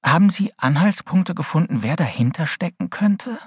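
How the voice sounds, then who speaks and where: A man's voice: fairly high pitch, expressive, normal speed, slightly rough, no echo, clean studio sound, pitched above the performer's own voice. A man voicing an impulsive, eager teenage boy hero who speaks earnestly.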